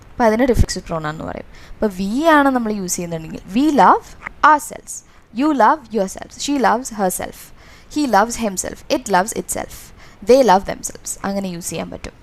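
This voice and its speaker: A woman with a Malayali accent coaching students through exam revision, explaining in a mix of Malayalam and English with many fillers. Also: medium pitch. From Kerala, India.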